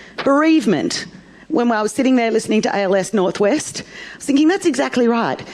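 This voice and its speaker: A very fast woman with an Australian accent, a fairly high pitch and very wide pitch swings. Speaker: clinician. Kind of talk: facilitated discussion talk.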